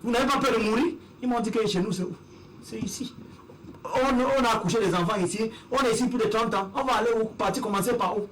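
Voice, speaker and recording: A high-voiced man speaks, arguing emphatically in a televised debate. He hammers his point home, circling back to the same phrases, with faint background noise beneath him. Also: fast talker, rough recording. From Cameroon. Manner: forceful, repetitive, emphatic. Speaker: panel guest. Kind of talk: heated TV debate.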